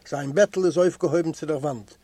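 A man narrating a literary audiobook in measured first-person storytelling, recorded close in a library recording room. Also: a little high, warm tone, no echo. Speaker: audiobook reader.

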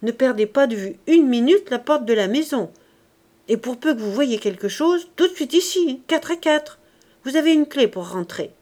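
A scheming old father from an audiobook barks orders in a loud, raised voice, as a woman reader puts him on. He sounds bossy and impatient, pushed higher than an ordinary speaking voice. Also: animated, normal speed. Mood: commanding. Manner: shouting, bossy.

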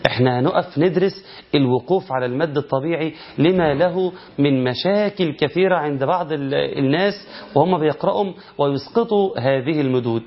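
Brief: Egyptian man, recitation teacher, higher-pitched, quizzes listeners then chants slow verse examples, dull lo-fi audio. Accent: Egyptian Arabic. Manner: asks rhetorical questions and answers them, demonstrates by chanting drawn-out verses. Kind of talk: recitation lesson. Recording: lo-fi muffled recording.

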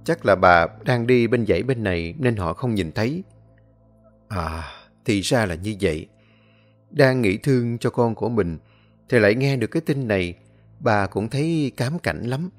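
A man narrating a ghost story in slow, measured storytelling. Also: fairly low pitch, expressive, faint music behind.

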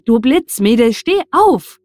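A woman's voice: a little high, sing-song, moderate pace, darkish tone, faint music behind. A woman voicing a cheeky, carefree male soldier in a fairy tale, breezy and protesting. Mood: commanding, impatient. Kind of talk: fairy-tale storybook character voice.

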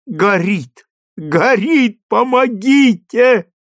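A man's voice: high voice, unhurried, vocal fry, no echo, studio quality, voice pushed up. A man reading aloud and voicing a desperate peasant mother who pleads with wailing cries for her children. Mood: desperate pleading.

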